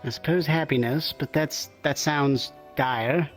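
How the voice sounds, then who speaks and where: A woman's voice: sits low, measured pace, faint music behind. A woman making casual, improvised roleplay conversation. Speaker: roleplayer in a virtual-reality game.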